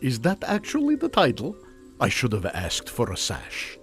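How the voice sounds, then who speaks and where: An actor playing a blasé, retired older mad scientist with a dry, teasing manner in a comedy radio play. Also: male voice, mid-range voice, wildly swooping pitch, normal speed, fairly bright tone. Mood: dry nonchalance. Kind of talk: comedic radio drama acting. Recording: music behind the voice.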